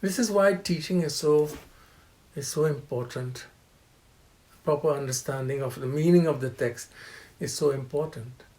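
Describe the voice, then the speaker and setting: An older man lecturing as a professor on Hindu scripture, speaking deliberately, repeating key phrases, chanting Sanskrit verses and asking rhetorical questions. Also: fairly high pitch. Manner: occasional soft laughs, asks rhetorical questions.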